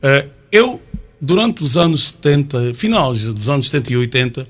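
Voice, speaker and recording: A man's voice: mid-range voice, sing-song, moderate pace. A man in his sixties with an Angolan Portuguese accent, hosting a studio panel debate and insistently pressing his guests with his question. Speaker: debate show host.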